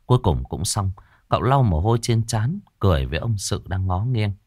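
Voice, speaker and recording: A male storyteller narrates a ghost story expressively, his voice sitting low but swinging widely in pitch. The recording is dry and close, with no room around it. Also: big pitch swings, brisk, darkish tone, no echo.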